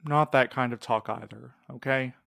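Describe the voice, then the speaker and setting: A man's voice: medium pitch, fairly even intonation, normal speed, creaky, fairly bright tone, no room sound. A tired guarded young guy, kinda terse, audio drama, really dry sound. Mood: grieving, defensive. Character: weary, guarded, stubborn young man. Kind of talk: naturalistic audio drama acting.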